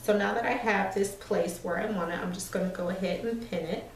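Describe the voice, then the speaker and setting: Brief: thirties woman, a little hoarse, casual step-by-step craft host, recorded at a distance in a roomy space. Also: mid-range voice, brisk, a little hiss or hum. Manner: relaxed, chatty step-by-step explaining with fillers. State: slightly hoarse, losing her voice. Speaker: sewing tutorial host. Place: small room indoors at an ironing board. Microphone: far camera. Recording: echoey room, mic far off.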